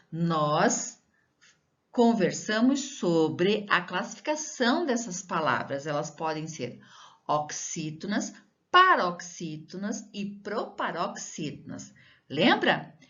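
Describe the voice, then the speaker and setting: Slow, lively-voiced woman teacher. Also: lowish voice, dull audio. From Brazil. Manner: slow, drawn-out teacher talk with rising questions to the pupil. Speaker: schoolteacher. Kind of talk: recorded lesson for children.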